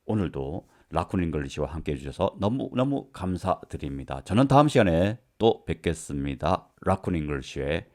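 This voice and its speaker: Lively low-voiced male English teacher. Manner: lively, slows down to model English example sentences. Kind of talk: grammar lesson.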